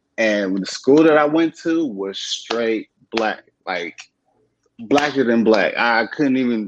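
A man with an American accent talks in an unremarkable speaking voice with ordinary pitch variation. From San Diego, California. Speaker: aspiring model. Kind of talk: casual chat.

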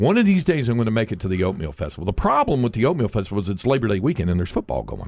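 This man talks very fast with a Texan accent. His pitch sits fairly low but swings very widely. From Central Texas. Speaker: sports radio host. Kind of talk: casual chat.

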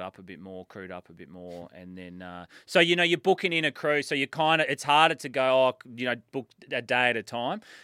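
Speaking fairly quickly with an Australian accent, a man has a bright, sharp tone. The recording is very clean with a silent background, and the sound is dry and close with no echo. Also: big swings in loudness. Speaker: comedian and electrician. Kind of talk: casual chat. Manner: laid-back, halting; distinctive way of speaking.

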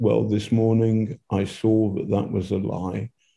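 A man with a British accent speaks at a very slow pace, his fairly low pitch carrying a dark, mellow tone and fairly even intonation. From UK. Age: old. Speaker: journalist. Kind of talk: interview. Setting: remote call from a war zone.

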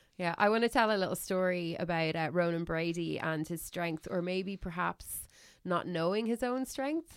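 The speaker has an Irish accent and ordinary pitch variation at a moderate pace. The recording is very clean with a silent background. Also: woman, fairly low pitch for a woman. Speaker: podcast host. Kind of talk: casual interview chat. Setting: studio.

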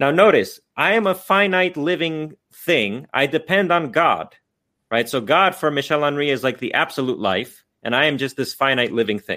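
A man with a General American accent and a normal speaking voice, fairly high in pitch, with lively intonation at a moderate pace. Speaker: philosopher and theology writer. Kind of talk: casual interview about philosophy and theology.

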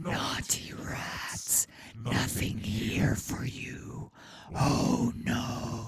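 Using a growling, put-on character voice, a man speaks at a medium pitch and a very slow pace. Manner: scolding, sneering.

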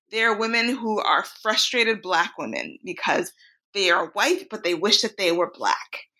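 With a Chicago accent, a woman speaks at a moderate pace in a bright, sharp tone, medium pitch and ordinary pitch variation, on a very clean recording with a silent background. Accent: Chicago American English. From US Midwest, Chicago. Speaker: sociology professor and author. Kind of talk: interview about her book.

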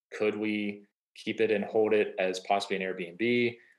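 A man with an American accent, fairly low in pitch, flat and monotone at a moderate pace. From US South, small-town Alabama. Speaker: real estate investor, army veteran. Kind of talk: podcast interview.

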